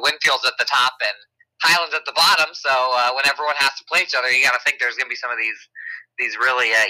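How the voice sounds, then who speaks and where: A hoarse man co-hosting a local sports talk show, talking at length with lots of fillers. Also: mid-range voice, pushed and bright, low-quality recording. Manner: chatty, hedging with fillers. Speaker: sports radio co-host.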